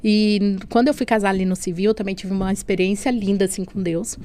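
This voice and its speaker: On a podcast set in a studio, a woman recounts an emotional faith testimony, acting out remembered dialogue and leaning on tag questions and softening fillers. Her voice is medium in pitch and steady in tone, and she talks fast.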